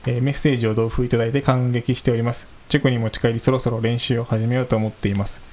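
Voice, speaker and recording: A man's voice: mid-range voice, level tone, fast, a little mellow, low-quality recording. A man co-hosting a podcast, politely reading a listener letter and chatting modestly, laughing easily. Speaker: podcast co-host. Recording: faint hiss.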